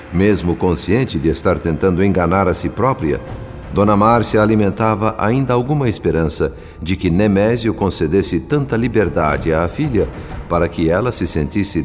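Deep-voiced male radio drama narrator. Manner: formal, literary, measured. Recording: long reverb, soft music behind. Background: faint music.

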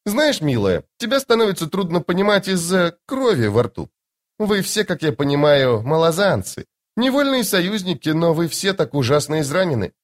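A woman's voice: fairly low pitch, sing-song, normal speed, voice pushed up. A man voicing a vain, cheerful woman in white who chatters sweetly and admires herself, in an audiobook. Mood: airy, chatty. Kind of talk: audiobook character voice.

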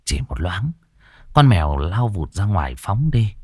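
A man narrating a ghost story in a lively, dramatic storytelling manner. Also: low-pitched, a little slow, slightly rough, no echo, clean studio sound.

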